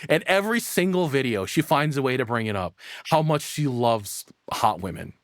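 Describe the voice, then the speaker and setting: A man's voice: mid-range voice, animated, normal speed, no room sound, clean studio sound. A man giving casual, crude and profane commentary as a streamer reacting to a video.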